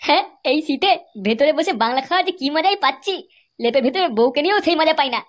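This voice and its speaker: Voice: high voice, expressive, quick pace, noisy background. A performer voicing a drunken, swaggering village man in a comedy cartoon, foul-mouthed, with a West Bengal accent. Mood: merry drunken. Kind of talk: amateur comedy cartoon dialogue.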